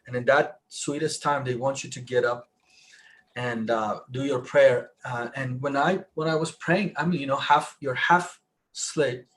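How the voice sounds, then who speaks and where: Man telling a story in halting restarts. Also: medium pitch, fairly bright tone. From Iran. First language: Persian. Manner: halting, many restarts, rising emphasis. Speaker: panelist. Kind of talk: live online discussion.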